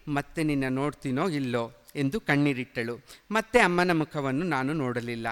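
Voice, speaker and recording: A man's voice: a little high, a bit bright, clear, resonant tone. A man earnestly reading his own first-person story aloud at a public event. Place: event hall. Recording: long hall reverb.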